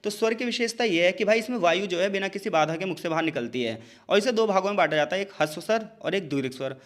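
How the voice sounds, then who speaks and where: Man, high voice, exam-prep tutor, patient explanations, sounds out examples aloud. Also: lively intonation, quick pace. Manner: mixes English terms into his explanations.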